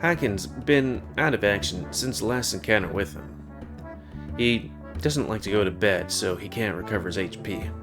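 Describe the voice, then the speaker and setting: Game character: a man doing a self-assured tavern bartender, lowish voice, businesslike and reassuring, music playing behind. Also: moderate pace, close to an everyday voice. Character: confident adult male tavern bartender.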